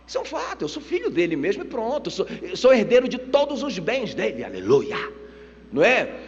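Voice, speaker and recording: A Brazilian man preaching a sermon in a church, lively and acting out voices while checking in with the congregation. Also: sits high, a little fast. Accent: Brazilian Portuguese. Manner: animated, acts out voices and asks the congregation for agreement. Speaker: pastor. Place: church sanctuary. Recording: muffled church hall with long reverb.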